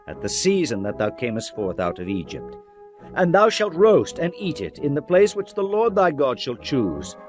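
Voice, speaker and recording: Solemn male scripture narrator over music. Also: medium pitch. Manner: solemn, measured recitation of archaic scripture. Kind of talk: dramatized Bible reading. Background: background music.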